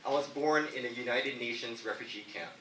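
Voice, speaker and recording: A man's voice: mid-range voice, a little fast, bright, forceful tone, a little hiss or hum. A man, a mayor running for office, answering in a political debate with an earnest, storytelling manner. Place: debate hall. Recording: echoey hall from far off.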